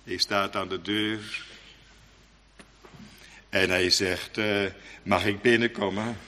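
A man preaching a sermon in a dramatic, emphatic style, with sudden loud outbursts. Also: on the low side, fairly even intonation, takes it slowly, big-room sound, a little hiss or hum.

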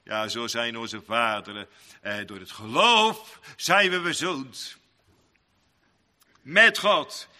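A man preaching a sermon, swinging between loud, sung-out passages and quiet, low asides. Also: takes it slowly, long pauses. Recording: long church reverb.

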